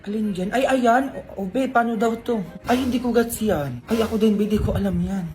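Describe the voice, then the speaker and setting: A woman's voice: fairly high pitch, a little fast, dark tone. A woman acting out several roles in a playful, bantering comedy skit.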